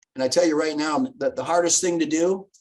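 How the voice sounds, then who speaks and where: A man talks with ordinary pitch variation. His pitch is fairly high. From US Midwest, Minnesota. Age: 60s. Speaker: business executive and entrepreneur. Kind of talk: panel discussion. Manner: animated.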